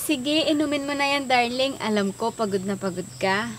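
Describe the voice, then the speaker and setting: A woman's voice: fairly high pitch, normal speed, very noisy, close to an everyday voice. A woman acting as a sweet, doting wife in a comedy skit, coaxing and calling her husband darling. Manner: sweet and coaxing, calls him darling constantly. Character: sweet doting young wife, suddenly extra kind. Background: background music.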